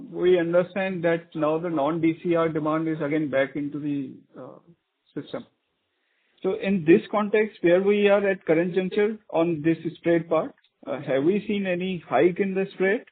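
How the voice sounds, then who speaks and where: A man with an Indian accent asking business questions as an analyst, hesitant and rephrasing as he goes. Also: on the high side. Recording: muffled, narrow phone line.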